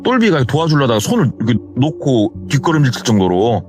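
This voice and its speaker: A man's voice: medium pitch, very animated, quick pace. A man telling a horror story in a vivid, dramatic, casual spoken retelling. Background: faint music.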